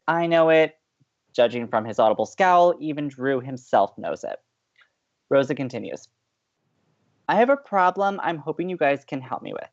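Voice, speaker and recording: A woman's voice: deep voice, muffled recording. A woman playing an upbeat, teasing, hopelessly romantic college radio co-host in an audio drama, talking in playful, emphatic banter. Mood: playful, gossipy. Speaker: actor in a romantic comedy podcast.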